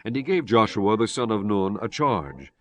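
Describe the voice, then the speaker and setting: A man narrating scripture from a script in a solemn, formal and measured manner. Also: on the low side, sing-song, a bit bright. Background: music.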